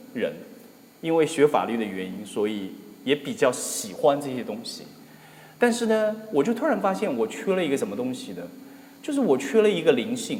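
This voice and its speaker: A man speaks at a moderate pace with very wide pitch swings, big swings in loudness and long, frequent pauses. Audible room echo is present. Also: fairly high pitch for a man. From China, Zhejiang (Shaoxing Shangyu). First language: Wu Chinese (Shaoxing dialect) (speaking Chinese). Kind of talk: personal testimony talk. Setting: hall with live audience and microphone. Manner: hesitant, many fillers.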